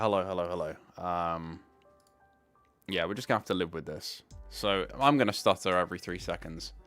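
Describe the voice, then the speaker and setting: A man's voice: mid-range voice, a bit bright, smooth. A man hosting a casual live stream, rambling as he sorts out camera trouble. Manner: rambling, fixing tech while talking.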